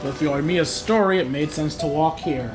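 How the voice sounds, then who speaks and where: A man's voice: on the high side, moderate pace, over music. A man hosting a gaming video, casually commenting and reading dialogue choices aloud.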